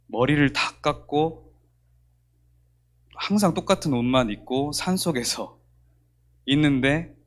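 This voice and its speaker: A man preaching a sermon as pastor in a church, telling a story in an animated way and acting out the dialogue. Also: mid-range voice.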